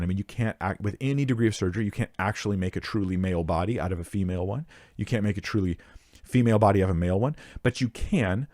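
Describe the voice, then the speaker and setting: Earnest low-voiced man answering a question. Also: a little mellow, no echo, studio quality. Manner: earnest, emphatic, thinks aloud with restarts and fillers. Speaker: Bible Q&A host. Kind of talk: answering a listener question to the mic. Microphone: close microphone.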